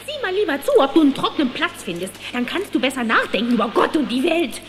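A woman's voice: sits high, sing-song, fast, a little hiss or hum. A woman playing a bossy, practical worm wife in a children's audio drama, with a theatrical manner. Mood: scolding. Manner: scolding, dramatic.

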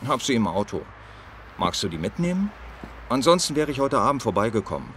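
A man's voice: mid-range voice, very animated, fairly quick, a bit bright. An actor playing a chatty, sociable family man in an audio drama. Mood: cheerful, friendly. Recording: clear street ambience noise.

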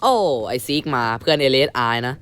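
A young man commentating a horror game playthrough, switching between a mock-polite announcer tone and crude, shouty outbursts. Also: mid-range voice, big pitch swings, a little fast, slight background noise. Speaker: gamer commentating his playthrough. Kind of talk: casual gameplay commentary.

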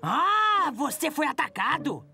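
A bossy little cartoon repairman speaks with a Brazilian accent. He is skeptical and quick to dismiss, with very animated intonation and music playing behind him. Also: high voice, creaky, full character voice. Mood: exasperated, skeptical. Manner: exasperated, dismissive.

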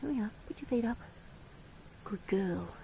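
A woman who rescues and cares for bats, gently talking and often whispering to an animal as she feeds it in a home kitchen, recorded on a head-mounted camera. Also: medium pitch, expressive, moderate pace, a little hiss or hum, rough recording. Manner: soft, coaxing, often whispering. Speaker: bat rescuer and carer. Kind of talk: gentle commentary while feeding an animal.

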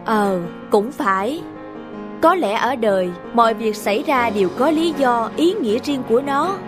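A woman's voice: fairly high pitch, animated, normal speed, lightly acted. A woman voicing a proud, hot-tempered middle-aged male tribal chief in a dramatic cartoon folk tale. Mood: reflective. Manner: imperious, dramatic. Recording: studio voice over background music.

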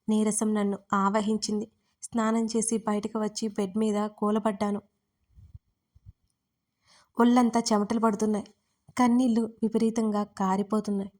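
A woman's voice: medium pitch, a little mellow. A woman narrating a first-person audio story in an earnest, emotional way.

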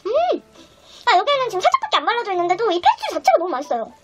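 A young adult woman vlogging a mukbang, chatting excitedly to the camera and humming as she tastes food between bites. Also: extremely high pitch, very fast. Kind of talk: casual chat while eating on camera. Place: small indoor room, then a busy restaurant. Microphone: camera on the table in front of her. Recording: background music and restaurant chatter.

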